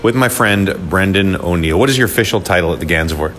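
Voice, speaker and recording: A man's voice: low-pitched, fast talker, music in the background. A man hosting a podcast, bantering with co-hosts and interviewing a guest in casual chat. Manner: joking, animated banter. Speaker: podcast host.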